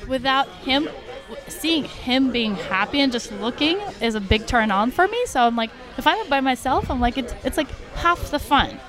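Frank woman from Russia, slightly high voice. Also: expressive, normal speed, hardly any pauses, music in the background. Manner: open, frank, talks freely with many likes and you knows. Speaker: podcast guest. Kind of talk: candid casual chat.

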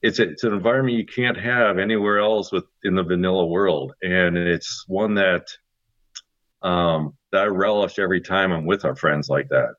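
Guy guest on a chat show, low voice, kinda muffled lo-fi sound, lots of ums. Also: no room sound. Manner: relaxed, halting with fillers. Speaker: guest, co-author. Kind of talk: casual interview talk.

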